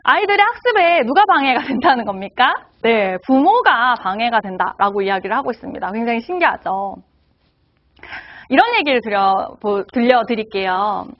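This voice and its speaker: A woman's voice: on the high side, sing-song, normal speed, lo-fi sound. A woman giving a lecture to parents, asking the audience rhetorical questions.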